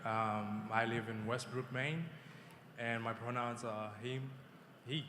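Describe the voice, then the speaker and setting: A man's voice: medium pitch, fairly even intonation, takes it slowly, fairly bright tone, slight background noise. Shy teen boy from Zambia, roomy. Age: teens. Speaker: panelist. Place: convention hall. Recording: roomy hall, off mic.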